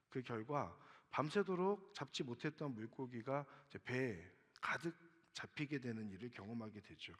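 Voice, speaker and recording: His pitch swinging very widely, a man talks at a moderate pace. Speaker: pastor. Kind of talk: sermon. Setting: church service in a school auditorium.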